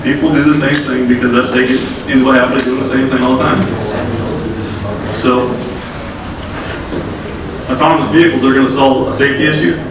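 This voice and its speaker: A man with a cold giving a folksy, direct talk and calling his listeners folks. He speaks at a brisk clip. The sound comes from a distance in a heavily echoing hall with audible noise. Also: mid-range voice, flat delivery. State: has a cold, losing his voice. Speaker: state transportation official. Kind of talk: conference presentation. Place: conference room. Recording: echoey hall, distant mic, noisy.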